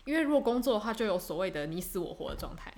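A woman's voice: medium pitch, very animated, racing, a little mellow. A young woman from Taiwan co-hosting a podcast, chatting casually and reflectively, with fillers and restarts. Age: young adult. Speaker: podcast co-host. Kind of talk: casual chat.

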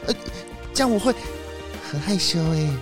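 A woman's voice: lowish voice, lively intonation, moderate pace, music in the background, close to an everyday voice. A woman playing a sly, defiant male fox jewel thief, whiny and dramatic, in a children's audio drama. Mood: indignant protest.

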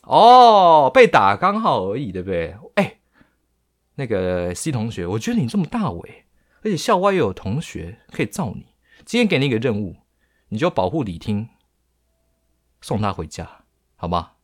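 A man's voice: medium pitch, huge pitch swings, moderate pace, long pauses. A man with a Taiwanese Mandarin accent voicing a blunt schoolteacher who lays down terms to a bully in a mock-stern way.

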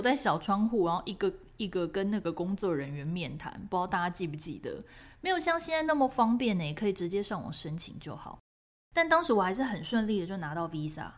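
A woman from Taiwan with a Taiwanese Mandarin accent, hosting a podcast and telling a personal story in an animated, expressive way. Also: lowish voice. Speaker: podcast host.

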